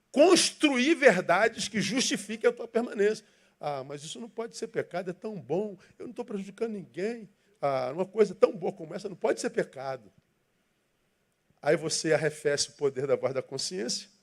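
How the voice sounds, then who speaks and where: High-voiced emphatic preacher. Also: male voice. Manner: emphatic and rhetorical, asking questions and leading the congregation in reading. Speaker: pastor. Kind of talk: sermon. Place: church.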